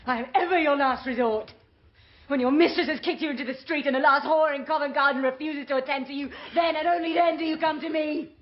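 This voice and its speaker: Proud young noblewoman played by an actress, English accent, high and accusing, period drama, muffled soundtrack. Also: fairly even intonation, fast talker, natural voice. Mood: angry, wounded. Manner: intense, articulate, accusing. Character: proud, wounded young noblewoman, pleading with her husband. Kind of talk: period film drama acting.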